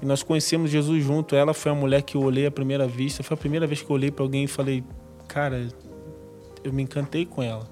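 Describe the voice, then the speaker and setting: Fast-talking Brazilian man telling his story. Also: mid-range voice, faint music behind. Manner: animated storyteller acting out dialogue. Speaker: podcast guest, former footballer. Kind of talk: casual testimony.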